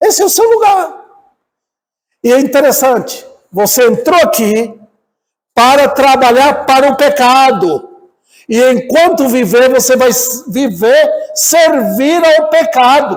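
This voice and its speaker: A man with an extremely high pitch speaks very slowly and with lively intonation, keeping his loudness very even, pausing long and often, amid audible room echo. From Brazil, Bahia. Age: 60s. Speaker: pastor. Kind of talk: sermon.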